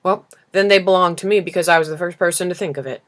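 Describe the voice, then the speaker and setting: A woman voicing a peevish, self-important businessman in a storybook, brisk and insistent in manner. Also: fairly low pitch, lightly acted. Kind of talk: storybook character reading.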